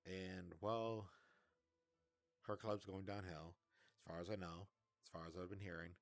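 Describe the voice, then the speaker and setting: A man's voice: low voice, flat delivery, unhurried, dry recording. A man casually recounting a breakup in a vlog, hesitant and rambling, often stammering and restarting.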